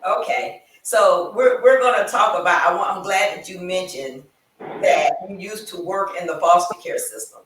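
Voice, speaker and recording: A woman's voice: mid-range voice, normal speed, a bit bright, distant mic, slight background noise. A woman hosting an interview show, reading a scripted welcome and then prompting her guest in a chatty way. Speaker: talk show host. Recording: roomy echo, away from the mic.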